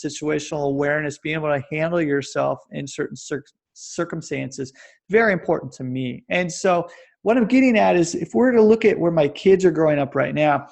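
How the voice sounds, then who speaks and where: A man in his forties from the United States, a fitness coach telling stories in a rambling, animated way with many restarts. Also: fairly high pitch, creaky. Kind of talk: casual interview chat. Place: lives in Japan.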